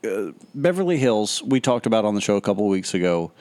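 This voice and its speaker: A man in his early thirties co-hosting a podcast, talking in a measured, thoughtful, dry way. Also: on the low side, sing-song, a little mellow. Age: 30s. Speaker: podcast co-host. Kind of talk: casual chat.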